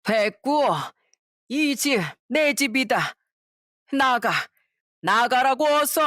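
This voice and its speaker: A woman's voice: lowish voice, no room sound. Woman narrating a family story, dry close mic. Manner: conversational storytelling. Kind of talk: first-person story narration.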